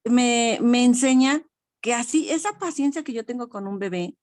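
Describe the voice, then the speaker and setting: Older Mexican woman, testimony share; frank, self-mocking, higher voice, dry close sound. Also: moderate pace, a little mellow, dry recording. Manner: frank and self-deprecating, laughs often. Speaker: study group participant. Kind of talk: personal spiritual testimony.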